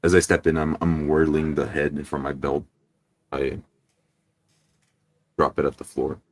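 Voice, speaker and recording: A man playing a tabletop roleplay game, describing his character's actions in the first person, deliberate and descriptive. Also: very deep voice, flat delivery.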